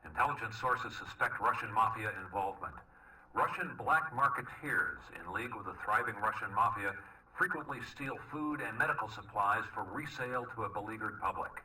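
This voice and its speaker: A bright-voiced news anchor. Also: male voice, lowish voice, animated, far from the mic, low-quality recording. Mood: formal. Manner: formal, measured newsreader delivery. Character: male television news anchor in a spy game. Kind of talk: scripted news broadcast.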